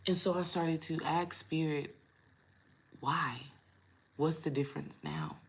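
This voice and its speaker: A woman in her thirties with a raspy, low morning voice, talking casually to her viewers as a spiritual coach. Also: very animated. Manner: chatty, addresses viewers as y'all, drawn-out pauses. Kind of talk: casual vlog talk to viewers.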